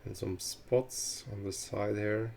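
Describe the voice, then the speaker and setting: A middle-aged Norwegian man speaking English with a Norwegian accent, hosting a casual fly-tying tutorial with halting phrasing and many fillers. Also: lowish voice, steady tone, gravelly, a little mellow, slight background noise. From Norway. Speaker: fly-tying channel host.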